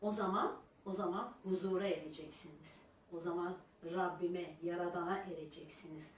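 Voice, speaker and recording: A woman's voice: on the low side, fairly even intonation, moderate pace. Woman vlogger berating critics, scornful lecturer's tone, recorded a bit far from the mic in an echoey room with faint hiss. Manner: scornful, lecturing, with repeated rhetorical "Ha?". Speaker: YouTuber addressing her critics. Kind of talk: scolding monologue to viewers.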